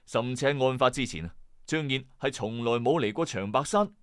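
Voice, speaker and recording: A man's voice: medium pitch, moderate pace, smooth, no room sound, clean studio sound. A man with a Hong Kong Cantonese accent tells a scripted true-crime mystery in a dramatic, suspenseful storyteller's manner, with colloquial asides. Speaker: storyteller and host of a late-night mystery story channel.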